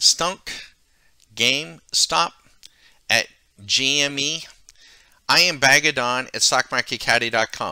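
Very slowly and at medium pitch, a man with an American accent speaks in a bright, sharp tone with vocal fry, on a very clean recording with a silent background. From Massachusetts (Lynn, Boston area). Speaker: stock trading tool vendor. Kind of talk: sales pitch with live market commentary.

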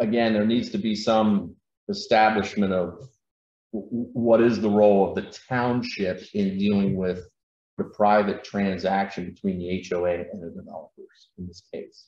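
Against a quiet background with audible room echo, a man talks at a fairly slow pace, his fairly low voice keeping a fairly even intonation. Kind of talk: meeting discussion answer. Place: meeting room. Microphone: camera far.

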